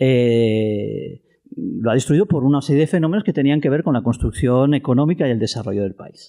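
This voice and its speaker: A man speaks with a dark, mellow tone at a medium pitch and moderate pace. His intonation is lively, and his loudness swings widely. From Catalonia, Spain. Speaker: geographer, professor. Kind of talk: conference lecture. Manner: hesitant, many fillers.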